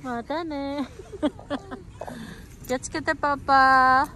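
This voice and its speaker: A woman's voice: steady tone, drawn-out words, a crowd in the background. A Filipino woman chatting casually as a family vlogger and mother, mixing in Japanese and English words. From Philippines. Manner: talks to her children in between narrating, mixing in Japanese and English words. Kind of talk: casual vlog chat. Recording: noisy home-video sound with ambient rumble.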